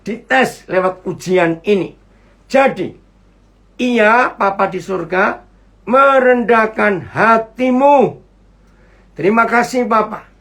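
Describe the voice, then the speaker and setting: Over a video call picked up by a computer mic, a pastor preaches a chatty sermon, asking his listeners questions and greeting viewers as they join. His voice sits high and is a bit bright, with a slow delivery.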